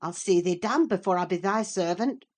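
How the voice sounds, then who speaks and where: A woman's voice: deep voice, steady tone, slow, fairly bright tone, exaggerated voice. A woman reading an audiobook and voicing a sullen young farm lad who growls his words. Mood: surly. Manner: growling, surly.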